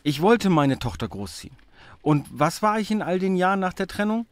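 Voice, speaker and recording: Male actor as divorced middle-aged dad, halting and wounded, widely varying pitch, radio play. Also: expressive, no room sound. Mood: hurt, reproachful. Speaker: voice actor in an audio drama. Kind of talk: naturalistic German radio drama acting.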